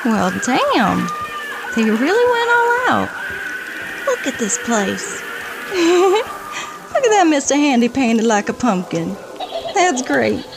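A woman's voice: high-pitched, big pitch swings, slow, gravelly, pauses often, full character voice, rough recording. A woman playing a bubbly, teasing young party-loving best friend in an audio drama, coaxing and playful. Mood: excited. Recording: loud music bed behind the voice.

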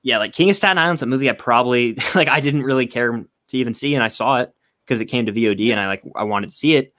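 A young man co-hosts a podcast, talking quickly in a mid-range voice. He rambles and hedges with lots of "like". The recording is close and dry. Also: mid-range voice, fairly bright tone, no echo. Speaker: podcast co-host. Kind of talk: casual chat.

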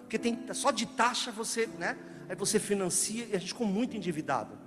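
A man with a Brazilian Portuguese accent preaching a sermon as a joking, animated story, acting out the dialogue as he goes. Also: high-pitched, fairly quick. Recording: reverberant hall with music behind.

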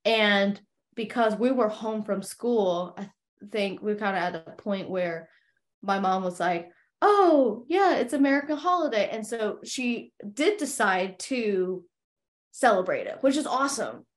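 A woman's voice: medium pitch, lively intonation, unhurried. Chatty young woman podcast host. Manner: chatty, many fillers and restarts. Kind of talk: casual interview chat.

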